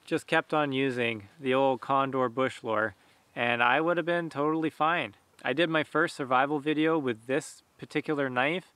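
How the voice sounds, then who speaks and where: Bright, dry-sounding man in his thirties, easygoing outdoor vlogger, casual and filler-heavy. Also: mid-range voice, no echo. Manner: relaxed, conversational, lots of fillers. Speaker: bushcraft channel host. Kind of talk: casual talk to camera. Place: outdoors in a forest. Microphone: camera at close range.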